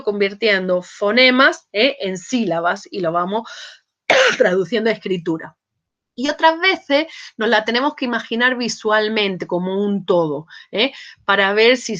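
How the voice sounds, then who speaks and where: A woman's voice: medium pitch, fairly bright tone. A woman giving a university lecture who keeps checking in with her students with "¿eh?" and "¿sí?" and often restarts her sentences. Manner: frequent checking tags "¿eh?" and "¿sí?", many restarts. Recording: slightly muffled lecture audio.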